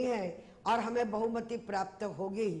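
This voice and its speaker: A woman speaks at a fairly high pitch with fairly even intonation. Audible room echo and noticeable background noise surround her voice. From Maharashtra, India (Mumbai). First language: Gujarati (speaking Hindi). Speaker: politician. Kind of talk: TV political interview.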